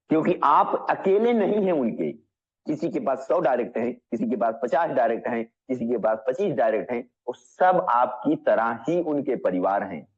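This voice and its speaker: A man giving an energetic motivational business session, asking the audience questions and calling them friends. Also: medium pitch, muffled recording.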